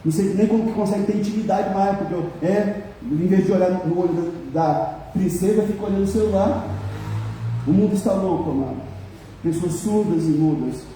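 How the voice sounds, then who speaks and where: Echoey preaching Brazilian man, high voice. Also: brisk, mellow, slight background noise. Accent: Brazilian Portuguese. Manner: conversational preaching, frequent call-and-response "amém?". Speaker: pastor. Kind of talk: sermon. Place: church hall. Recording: far from the mic in a very echoey church hall.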